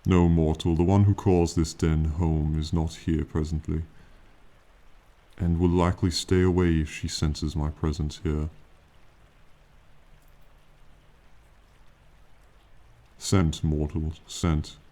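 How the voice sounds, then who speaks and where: Man voicing an extremely deep, ancient dragon. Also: level tone, warm tone. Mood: lofty, calm. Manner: slow, solemn, archaic, condescending speech to a mortal. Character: ancient, proud, aloof male dragon companion. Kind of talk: fantasy ASMR roleplay monologue. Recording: faint rain noise behind. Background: rainfall ambience.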